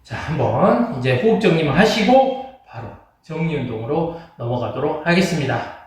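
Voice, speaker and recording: A man's voice: fairly high pitch, expressive, moderate pace, darkish tone. A man instructing an exercise class, explaining politely and encouragingly and checking in with those following along. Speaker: home training fitness instructor. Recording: very echoey room, distant from mic.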